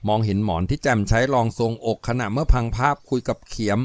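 A man narrates a novel aloud in a steady storytelling voice. His pitch sits in the middle range. The recording is close and dry. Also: fast, no echo.

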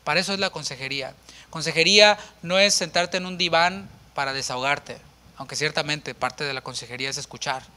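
A man preaches a sermon in a high, forceful voice and fires off rhetorical questions. He is an animated pastor who addresses his listeners directly. He is preaching in a church with no congregation. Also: a little fast.

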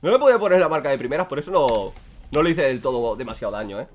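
A man from Spain commentating his own gameplay, excitable and swearing freely as he talks to himself and his viewers. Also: mid-range voice, very fast. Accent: Spain Spanish. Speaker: gaming streamer.

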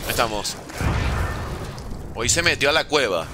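A man's voice: medium pitch, lively intonation, moderate pace, background noise. A man streaming live gameplay, commenting and joking playfully with chat while using Mexican slang. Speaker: gaming streamer.

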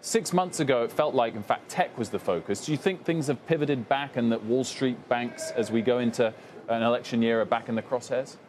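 A young male TV business anchor asking brisk, probing questions in an interview on a trading floor. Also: mid-range voice, darkish tone, a little hiss or hum. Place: trading floor TV studio, indoors.

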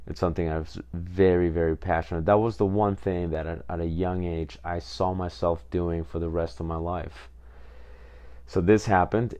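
A Peruvian man in his twenties hosts a podcast, telling his own story in a casual, rambling way packed with fillers. His voice is deep with a dark tone.

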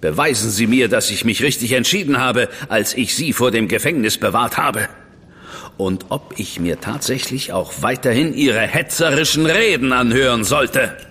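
An actor playing a stern, impatient official in a German radio drama, curt and disapproving. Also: male voice, medium pitch, moderate pace, sharp tone, breathy edge, big-room sound.

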